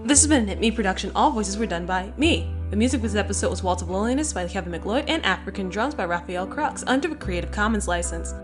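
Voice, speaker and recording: A woman's voice: mid-range voice, expressive, fast talker, hardly any pauses. A woman podcast creator reading scripted end credits to her listeners. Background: music.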